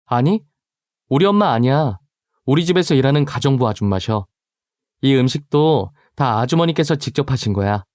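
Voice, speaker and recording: A man voicing a spiteful teenage girl who taunts loudly and mockingly, in a storybook reading. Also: mid-range voice, animated, normal speed, dry recording, studio quality, natural voice. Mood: taunting. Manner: loud, taunting.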